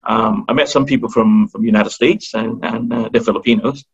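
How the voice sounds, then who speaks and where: A man's voice: medium pitch, steady tone, fairly quick, breathy edge. A man with an Australian accent, talking hesitantly as an interview guest with many fillers and restarts. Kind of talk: casual interview talk. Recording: dull lo-fi recording.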